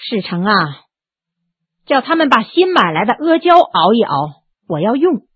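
A woman's voice: a little high, big pitch swings, unhurried, breathy edge, exaggerated voice. A woman voicing a shrewd, aging brothel madam in a storybook reading, sighing and worldly, tough under the weariness. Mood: weary. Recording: tinny narrow phone-like sound, dry.

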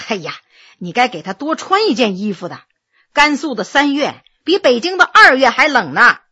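A woman voicing a calm, composed nobleman who speaks mildly and with gentle concern, in a storybook reading. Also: sits high, moderate pace, breathy edge, heavily acted.

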